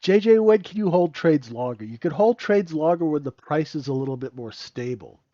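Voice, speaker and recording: A man's voice: a little high, animated, normal speed, warm tone, no room sound, lo-fi sound. Stuffy-nosed man calling live trades. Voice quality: nasal. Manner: conversational, keeps asking "right?". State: stuffy nose, sniffling. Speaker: trading room host. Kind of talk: live trading commentary.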